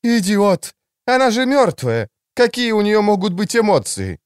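A man reading an audiobook, voicing a sharp-tongued, irritable adult woman who snaps and scolds. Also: big pitch swings, unhurried, clean tone, dry recording, clean studio sound. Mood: exasperated. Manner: snappish, shrill.

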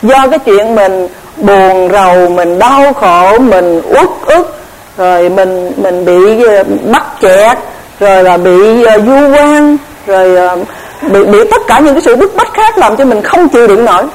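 Brief woman, Buddhist teacher, steady lecturing pace, mid-pitched, faint hiss underneath. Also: poor audio. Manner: measured, explanatory, often repeats words while searching. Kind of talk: recorded dharma lecture.

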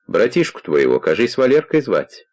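A man reading the part of a calm, kindly older investigator who questions in a persuasive, probing way. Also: medium pitch, normal speed.

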